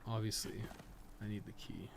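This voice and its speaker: A man's voice: on the low side, steady tone, moderate pace. A man giving casual, rambling live gameplay commentary, thinking aloud and swearing freely as he goes. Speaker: game streamer and podcast co-host. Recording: clearly noisy stream audio.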